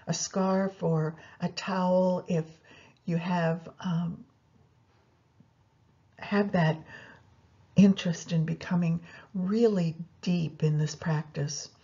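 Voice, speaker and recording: A woman leading a guided yoga nidra meditation, giving unhurried instructions directly to the listener. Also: fairly low pitch, fairly even intonation, warm tone, husky, highs cut off.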